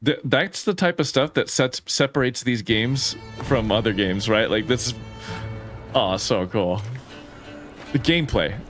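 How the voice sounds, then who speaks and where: A man doing casual live-stream commentary on game footage, reacting excitedly with bro-ish slang and swearing, like a frat bro. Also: mid-range voice, unhurried, soft background music. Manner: animated reactions with frequent laughing and swearing.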